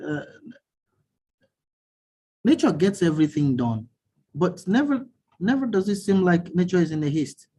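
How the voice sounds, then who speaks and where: A guest professor giving calm, measured advice in a talk, often repeating words as he or she starts a thought. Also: mid-range voice, breathy edge. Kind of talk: teaching talk.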